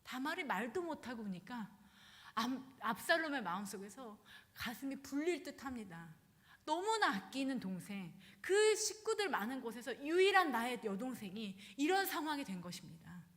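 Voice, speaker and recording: Role: woman pastor. Style: storytelling sermon. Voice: high, bright. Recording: long church reverb. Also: normal speed. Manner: dramatic, animated storytelling.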